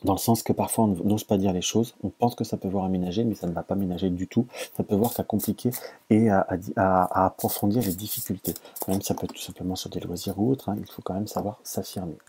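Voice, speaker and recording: Male tarot reader, low mellow husky voice, halting and self-correcting delivery. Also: steady tone, slight background noise. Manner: hesitant, stammers and restarts often. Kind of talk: casual tarot reading to camera.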